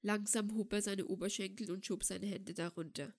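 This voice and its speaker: A woman reading a fan fiction audiobook in a calm, steady narrating voice. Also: medium pitch, moderate pace, no echo, studio quality. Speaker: audiobook reader.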